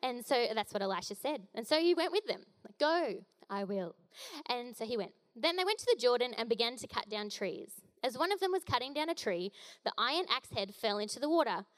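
Young woman, guest preacher, casual and jokey, slightly high voice. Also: animated, brisk. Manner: chatty, playful, jokey asides. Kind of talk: casual sermon.

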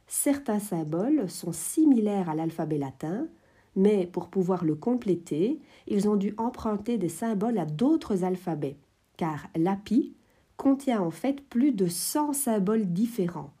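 A woman hosting an educational podcast, explaining French phonetics in a clear, measured way. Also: mid-range voice, dark tone. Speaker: French teacher, podcast host.

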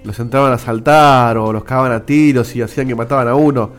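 A man with an Argentine accent on a gaming podcast, telling a quick story and chiming in. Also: mid-range voice, steady tone, faint music behind. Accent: Argentine Spanish. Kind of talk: casual gaming podcast chat.

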